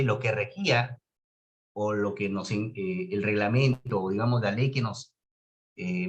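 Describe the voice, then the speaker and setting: A man with a Peruvian Spanish accent teaching a class in a didactic way, stressing key words and checking that students follow. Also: mid-range voice. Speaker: course instructor. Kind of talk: online lecture on public administration.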